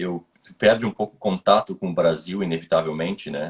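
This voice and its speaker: This man's voice has ordinary pitch variation. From southern Brazil (Rio Grande do Sul). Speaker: cardiologist. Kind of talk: casual live-stream interview. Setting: online live stream. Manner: hesitant, many fillers and repeats.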